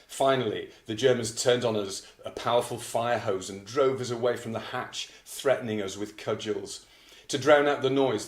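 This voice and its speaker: Guy reading old news out loud, deliberate but casual, medium pitch, pretty echoey room. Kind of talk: reading aloud with casual asides.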